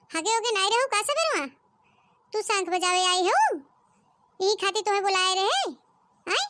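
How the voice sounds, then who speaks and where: A woman voicing a sharp-tongued old village mother-in-law in a comic cartoon, speaking with an Awadhi accent and scolding in loud exclamations. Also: very high-pitched, noisy background, exaggerated voice.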